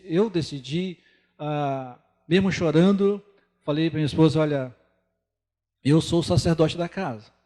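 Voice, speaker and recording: High-voiced Brazilian man preaching, hall reverb. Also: dark tone. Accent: Brazilian Portuguese. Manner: earnest, conversational preaching with pauses. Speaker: lay preacher. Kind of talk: sermon. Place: church.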